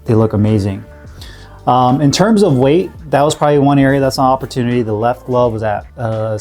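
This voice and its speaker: A man with a cold, sniffling a bit, reviewing gear in a relaxed, rambling way full of fillers and restarts. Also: mid-range voice. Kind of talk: casual product review.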